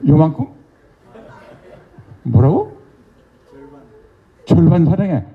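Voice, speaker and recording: An older man preaching at a church revival, playfully calling on congregants and quizzing them. His voice sits a little high and is gravelly, jumping widely in pitch. The recording is muffled and lo-fi. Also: big pitch swings, slow pace. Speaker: pastor. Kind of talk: interactive revival sermon, questioning the congregation. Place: church sanctuary.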